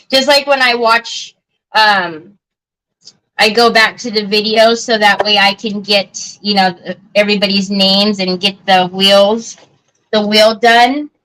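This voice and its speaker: A woman's voice: medium pitch, fairly bright tone, clean tone, low-quality recording. A woman hosting a live crafting stream, chatting casually and answering viewer comments with lots of fillers and restarts. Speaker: craft livestream host.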